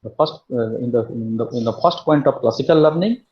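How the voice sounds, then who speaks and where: A man's voice: mid-range voice, brisk. Man lecturing over lo-fi audio. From India. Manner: explaining step by step, with many restarts. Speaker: university lecturer. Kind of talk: online literature lecture.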